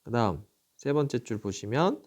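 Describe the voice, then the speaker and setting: A middle-aged male teacher giving a recorded lesson, patiently asking questions and then answering them himself, repeating each syllable slowly and clearly. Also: mid-range voice, very animated, a little mellow. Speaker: Japanese teacher.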